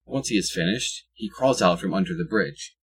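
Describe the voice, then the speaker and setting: A man's voice: deep voice, normal speed, slightly rough. A man narrating a scripted audio drama as its storyteller.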